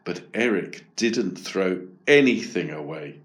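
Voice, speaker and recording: A man narrating a children's story aloud. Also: sits low. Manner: slow, expressive storytelling.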